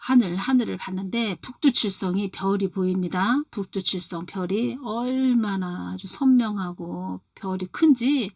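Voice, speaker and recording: A woman's voice: medium pitch, a little slow, few pauses, a little mellow, no room sound. Repetitive, emphatic older Korean woman preacher. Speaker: lay preacher. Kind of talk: spiritual testimony and dream account.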